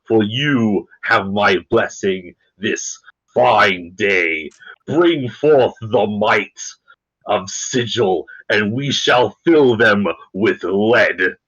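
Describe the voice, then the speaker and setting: A pompous, ruthless warlord rallies his crew in a magically amplified, booming voice, as a man puts him on. He speaks slowly, with grand, drawn-out phrasing, and his pitch sits on the low side. The recording sounds dull and lo-fi. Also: fairly bright tone, slightly rough, heavily acted. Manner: slow, grand declaiming speech. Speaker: game master.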